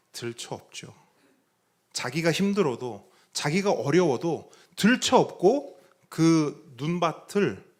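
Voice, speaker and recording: A middle-aged man preaching a sermon as a pastor. He tells a story in an animated way, acts out the voices of the people he quotes and asks the congregation questions. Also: medium pitch. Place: church sanctuary.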